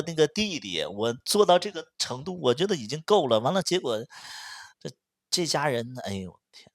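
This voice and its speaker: A man hosting a livestream in casual chat, venting, stammering, repeating words and clearing his throat often. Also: mid-range voice, fairly bright tone, no echo, clean studio sound. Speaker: livestream host.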